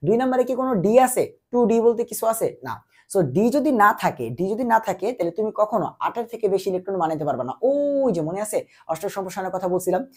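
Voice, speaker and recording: A man's voice: high voice, expressive, quick pace. A young man teaching chemistry while feverish, asking questions and answering them himself. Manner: repetitive call-and-answer teaching, quizzing the listener. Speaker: chemistry tutor. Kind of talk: exam-prep lecture.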